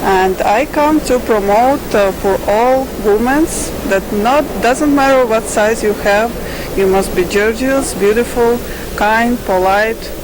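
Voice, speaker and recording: A woman speaks very slowly as a pageant contestant, in halting and simple phrases. Clear outdoor noise sits under her voice. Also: a little high. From Latvia.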